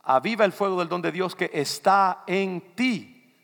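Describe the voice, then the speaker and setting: A man's voice: high-pitched, measured pace, fairly bright tone. An older man from the Dominican Republic with a Dominican accent, preaching a loose, conversational sermon that keeps turning to the congregation. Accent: Dominican Spanish. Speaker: pastor. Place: church sanctuary. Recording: long reverb of a church hall.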